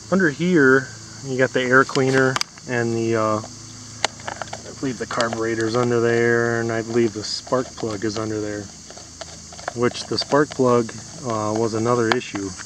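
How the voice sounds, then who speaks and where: A man talks at a fairly slow pace with fairly even intonation, in a dry sound with no echo but noticeable background noise. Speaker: chainsaw owner reviewing tool. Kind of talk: casual product review. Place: garden. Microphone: phone near.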